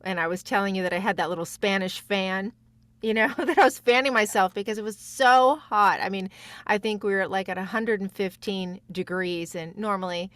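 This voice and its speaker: A woman's voice: medium pitch, fairly bright tone, no room sound. A woman chatting casually as a podcast guest, effusive and emphatic in the way she talks. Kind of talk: casual chat.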